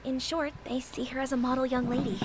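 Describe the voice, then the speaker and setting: Brief: woman playing gossipy friendly shopkeeper in a game, bright high tone. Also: level tone, a little fast, heavy background noise, close to an everyday voice. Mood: chatty. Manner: chatty, confiding, gossipy. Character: friendly woman restaurant keeper, chatty and warm-hearted. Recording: game audio with music behind.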